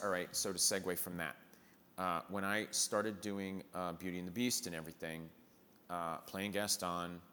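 Bright-voiced man telling stage stories. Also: lowish voice, in a large hall. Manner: lively anecdotes, acts out the people he quotes. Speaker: musical theater performer. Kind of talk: storytelling in a conversation.

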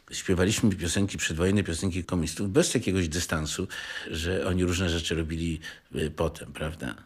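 An older man recalling his past in a halting, digressive way, often checking for agreement. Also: on the low side, a little mellow, breathy edge. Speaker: interviewee, former youth group member. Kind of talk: spoken reminiscence in a documentary.

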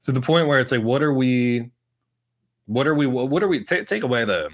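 A man's voice: medium pitch, animated, normal speed. A man co-hosting a casual sports podcast, with a slightly nasal, clogged-sounding voice and a rambling way of talking full of restarts. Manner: rambling, lots of restarts and fillers.

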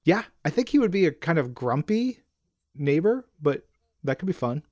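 Higher-pitched man, chatty podcast co-host. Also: sing-song, normal speed, darkish tone, no room sound, studio quality. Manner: enthusiastic, chatty. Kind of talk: casual comics fan podcast talk, reading listener messages.

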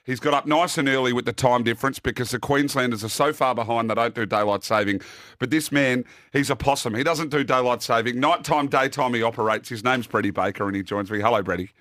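A man's voice: mid-range voice, fast talker, fairly bright tone, no room sound, clean studio sound. A man with an Australian accent hosting a casual sports preview in a jokey, bantering way. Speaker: host.

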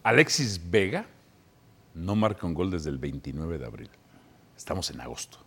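A man's voice: low voice, big pitch swings, moderate pace, vocal fry, a bit bright, husky. A man debating football on a studio sports talk panel, combative and mocking. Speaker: sports pundit.

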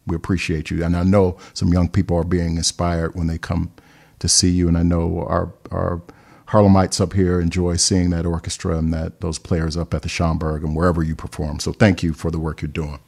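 A man hosting a live call-in radio show, asking callers gentle, encouraging questions. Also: sits low, level tone, a little fast, vocal fry. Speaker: radio host.

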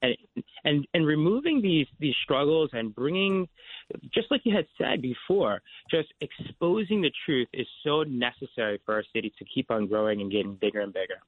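A man calls in to talk up his run for city office, upbeat and full of repeated slogans. His voice comes through a narrow, tinny phone line with no room around it. Middle pitch, plain delivery. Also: lively intonation, moderate pace, no room sound. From New York City. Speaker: guest, candidate for city controller. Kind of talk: campaign talk on a radio show.

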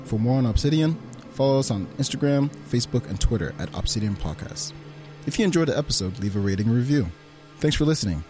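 A man with a mid-pitched voice reads scripted podcast credits as its producer. Plucked guitar music plays clearly behind him. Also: animated, quick pace, mellow.

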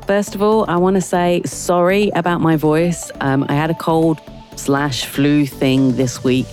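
A woman hosting her own podcast, croaky from a cold, chatting casually with lots of fillers and restarts. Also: sits low, steady tone, a little slow, darkish tone, soft background music. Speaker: podcast host. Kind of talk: casual solo podcast talk.

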